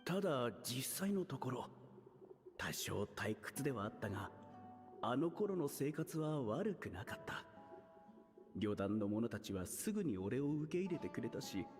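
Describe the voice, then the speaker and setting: A man's voice: medium pitch, big pitch swings, brisk, a little mellow, faint music behind, natural voice. An actor playing a weary male scholar in exile who speaks in a reflective, regretful tone in game voice acting. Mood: wistful. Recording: game audio with long reverb.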